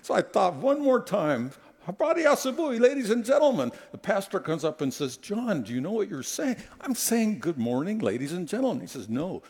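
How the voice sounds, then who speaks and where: A middle-aged man delivers a sermon in a church sanctuary, speaking through a headset mic. His voice has a gravelly edge, and his pitch swings widely as he tells stories and acts out quotes. He moves between humorous anecdotes and scripture. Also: brisk, hardly any pauses. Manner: animated, storytelling, acts out quotes. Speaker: guest preacher.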